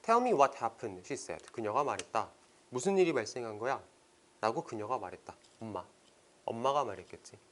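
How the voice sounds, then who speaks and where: A man teaching an English exam passage, reading sentences slowly and explaining them line by line in casual speech. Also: medium pitch, sing-song, fairly bright tone.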